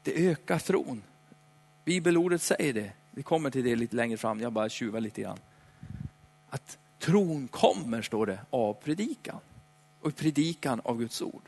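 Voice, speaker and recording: A man preaching a sermon in a chatty, playful way, slowing down for dramatic emphasis. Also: mid-range voice, expressive, gravelly, darkish tone. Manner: conversational, dramatic slowdowns, playful asides. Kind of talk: lively sermon. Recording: hall reverb.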